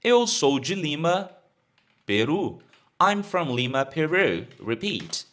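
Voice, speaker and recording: Brazilian teacher with an animated, lively voice. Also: male voice, a little high. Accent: Brazilian Portuguese. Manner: repeats phrases slowly for learners to copy. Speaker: English teacher. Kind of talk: explaining an English lesson.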